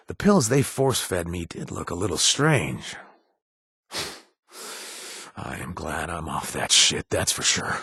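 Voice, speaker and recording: An actor playing a gruff, washed-up ex-raider who now runs a bar, sardonic and joking one moment, earnest and grateful the next, in video game voice lines. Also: male voice, low-pitched, a bit bright, no room sound, clean studio sound, heavily acted. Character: gruff washed-up male ex-raider bartender, wry. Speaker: game companion character.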